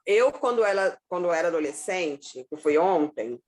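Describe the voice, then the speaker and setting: A woman's voice: lowish voice, animated, normal speed, darkish tone. A woman student telling a playful story during an online class. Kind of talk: casual chat in class.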